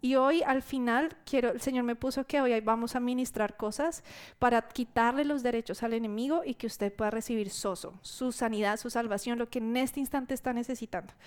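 A woman preacher giving a sermon testimony to her church, telling the story in a lively way and acting out what people said. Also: fairly high pitch, smooth.

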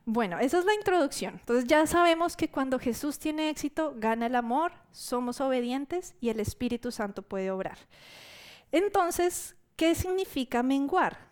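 A woman preacher giving a sermon testimony to her church, telling the story in a lively way and acting out what people said. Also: high-pitched, normal speed.

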